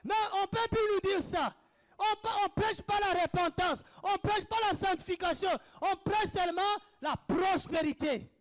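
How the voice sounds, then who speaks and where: Fervent male preacher, very high voice, mixes shouts with quiet asides. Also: normal speed. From Africa. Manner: impassioned, swings between shouted declarations and hushed asides. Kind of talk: sermon answering questions.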